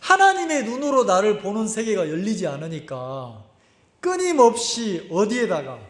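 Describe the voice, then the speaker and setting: A man's voice: high voice, huge pitch swings, normal speed. A male pastor preaching a sermon in a conversational way, acting out scenes and asking the congregation questions. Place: church sanctuary. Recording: echoey church sanctuary.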